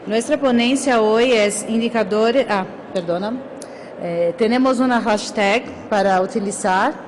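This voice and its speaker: Woman, Brazilian Portuguese accent, non-native speaker, conference moderator, slow careful delivery, frequent restarts, mid-range voice. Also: medium pitch, darkish tone, slight background noise, rough recording. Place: conference room.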